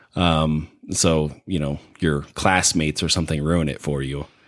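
A man talks at a moderate pace with an American accent. The recording is very clean, with a silent background. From Oklahoma. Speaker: podcast co-host. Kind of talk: casual chat.

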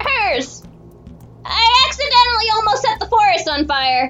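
Over clear music in the background, a put-on character voice at an extremely high pitch swings very widely in pitch while moving at a moderate pace. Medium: actual play. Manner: chirpy, casual.

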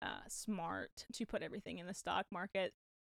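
Recorded with a dry, close sound and no echo, a woman with an American accent speaks at a moderate pace. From western Pennsylvania (New Castle). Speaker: career consultant and business founder. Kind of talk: solo podcast monologue. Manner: animated.

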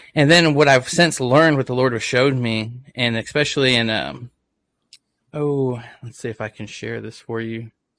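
A man talks in a normal speaking voice at medium pitch. His pitch varies in an ordinary way, and his pace is moderate. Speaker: co-host, Bible discussion panelist. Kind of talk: roundtable discussion.

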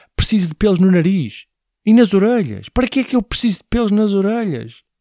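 A man speaks at a fairly quick pace with a European Portuguese accent. The recording is very clean with a silent background, dry and close with no echo. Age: 40s. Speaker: podcast host. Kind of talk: casual comedic monologue. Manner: animated.

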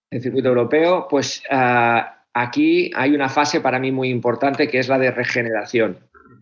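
An ordinary speaking voice from a man of medium pitch, with fairly even intonation, big swings in loudness and a moderate pace. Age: 50s. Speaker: fitness coach and professor. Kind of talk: interview.

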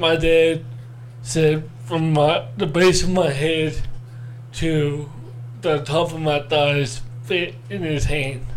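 Over noticeable background noise, a man with a fairly high pitch talks at a very slow pace, his fairly even intonation broken by long, frequent pauses. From central Texas. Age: 20s. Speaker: oil field worker. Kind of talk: testimony.

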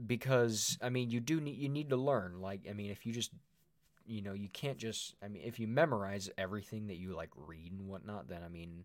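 A normal speaking voice, at a fairly quick pace with ordinary pitch variation, is heard in a very clean recording with a silent background. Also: man. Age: 20s. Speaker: podcast co-host. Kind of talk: casual chat.

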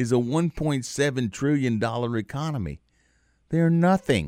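In a very clean recording with a silent background and a dry, close sound with no echo, a man speaks in a dark, mellow tone. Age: 60s. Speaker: radio co-host. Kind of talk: political talk radio. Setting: studio.

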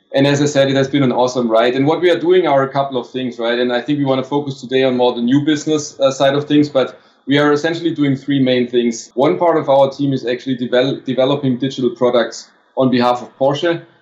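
With a German accent, the speaker goes at a very fast pace with fairly even intonation. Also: man, medium pitch for a man. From Germany. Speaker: car company employee. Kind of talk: casual interview.

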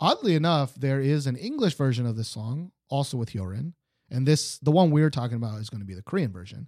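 Very fast, lively speech from a man at medium pitch in an American accent, big swings in loudness, dry and close with no echo in a very clean recording with a silent background. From United States. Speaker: podcast host. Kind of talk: casual chat.

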